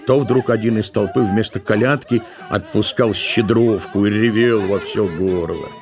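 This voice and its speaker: A man narrating a literary tale for an audio drama, with expressive storytelling delivery. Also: lowish voice, moderate pace, crowd noise.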